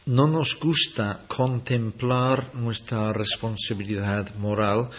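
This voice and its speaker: A man preaching a sermon slowly and deliberately, acting out quotes for emphasis. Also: fairly low pitch, fairly even intonation, breathy edge. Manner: slow, deliberate preaching with dramatic acted quotes. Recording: dull lo-fi recording.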